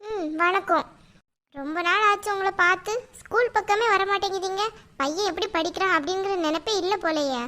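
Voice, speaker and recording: A woman voicing a stern, sarcastic schoolteacher in a cartoon, with a bright, high voice pitched lower than her usual. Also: moderate pace. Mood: scolding. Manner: sharp, scolding, sarcastic. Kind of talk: cartoon voice acting.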